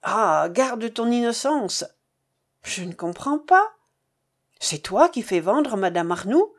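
A woman's voice: fairly high pitch, animated, slow pace, full character voice. A woman voicing an angry young man who bitterly accuses his mistress in a storybook reading. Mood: indignant, accusing. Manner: indignant, cold and cutting.

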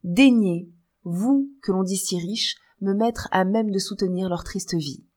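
A woman's voice: medium pitch, unhurried, darkish tone, close to an everyday voice. A woman reading an audiobook and voicing a desperate, pleading old beggar woman.

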